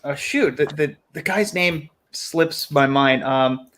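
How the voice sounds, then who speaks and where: A man chatting casually as a panelist in a film discussion, hesitant and halting as he talks. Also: fairly high pitch, fairly bright tone. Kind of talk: casual chat.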